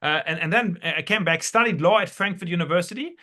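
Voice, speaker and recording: Bright-voiced, higher-pitched man from Germany. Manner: halting, rambling, repeats words. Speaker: podcast guest, entrepreneur. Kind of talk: casual anecdotal interview storytelling.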